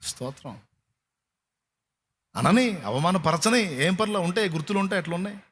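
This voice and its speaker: A man's voice: high-pitched, lively intonation, fairly bright tone, husky. Preaching man firing rhetorical questions. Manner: rhetorical questions, chants verses slowly. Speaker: pastor. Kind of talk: sermon. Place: church hall at an all-night prayer.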